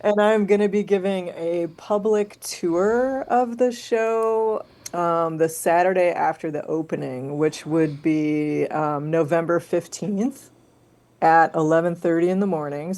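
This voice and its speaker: A woman's voice: on the low side, unhurried, darkish tone. A woman gallery curator, a guest on a radio interview, talking chattily and enthusiastically about upcoming exhibits. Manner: chatty, enthusiastic, laughs easily.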